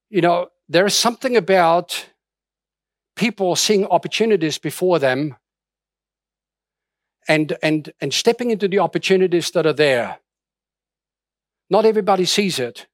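Austrian-born man preaching in a higher voice. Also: no room sound, clean studio sound. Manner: conversational preaching with frequent restarts and fillers. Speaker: pastor. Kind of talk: sermon.

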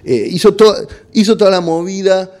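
A man's voice: high-pitched, animated, moderate pace, a little mellow. A middle-aged Argentine man, a stand-up comedian, talking frankly in an interview and often restarting words as he searches for them. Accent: Argentine Spanish. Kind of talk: casual interview chat.

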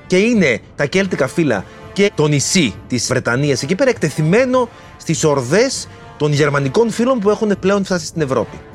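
A man's voice: on the high side, very animated, faint music behind. A man hosting a history video, explaining legends in a playful, slangy way full of jokey asides.

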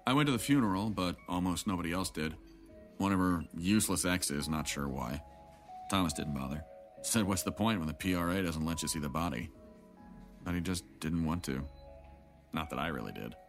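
A man's voice: low voice, brisk. A man playing a jaded, guarded middle-aged man in an audio drama, with wry, reflective delivery. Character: jaded, guarded older man, bitter about his family. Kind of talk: naturalistic audio drama acting. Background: background music.

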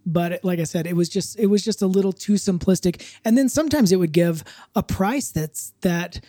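A man's voice: sits high, brisk, mellow, dry recording, clean studio sound. A man in his fifties, a podcast co-host, chatting casually with a wry, rambling way of talking. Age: 50s. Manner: rambling, self-correcting, wry.

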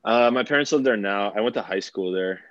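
A young man from Bulgaria talks through a podcast interview in a loose, rambling way, stacking fillers and restarting his sentences. His voice sits very low. The sound is dry and a little dull, like a lo-fi recording. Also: fairly quick, a bit bright, no echo. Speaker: podcast guest, DJ. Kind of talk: casual interview chat.

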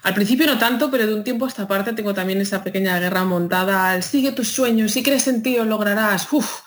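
A woman from Spain with a Madrid accent, a guest chatting in an interview and telling stories with lively emphasis and frequent laughter. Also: mid-range voice, fast talker. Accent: Spanish, Madrid. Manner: animated storytelling, laughs often, emphatic. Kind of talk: casual interview chat.

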